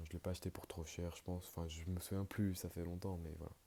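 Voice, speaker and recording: In a relaxed tone, a man talks at a moderate pace with a very deep, low pitch and a dark, mellow tone. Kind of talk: casual talk to camera. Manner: soft-spoken, relaxed.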